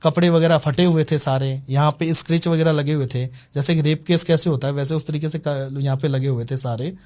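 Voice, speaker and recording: Man telling a spirit encounter, fairly high voice. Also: brisk. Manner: animated retelling, voices other people's lines. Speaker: exorcist recounting a case. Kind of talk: storytelling interview.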